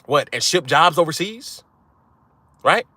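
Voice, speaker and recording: Young man, blunt rant-style host, bright edge, dry close mic. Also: a little high, expressive, unhurried, dry recording. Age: young adult. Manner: blunt, profane, repeats "right?" for emphasis. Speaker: channel host. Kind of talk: casual monologue to viewers.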